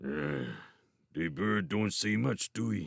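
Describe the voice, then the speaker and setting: Using a put-on character voice, a man talks at a fairly slow pace in a raspy, very deep, low pitch with very wide pitch swings. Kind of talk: rustic, folksy.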